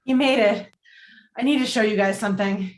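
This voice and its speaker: A woman's voice: mid-range voice, a little fast, close to an everyday voice. A woman playing an anxious, earnest teenage girl in a virtual table read. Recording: roomy, echoing home room.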